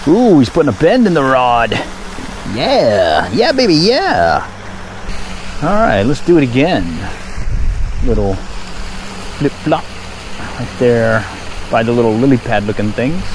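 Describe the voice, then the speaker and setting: A man giving relaxed, chatty running commentary while fly fishing at a park pond, recorded on a head-mounted action camera. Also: medium pitch, slow, long pauses. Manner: relaxed, chatty, pleased exclamations at each catch. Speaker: fishing vlogger. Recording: outdoor action-camera audio with background noise.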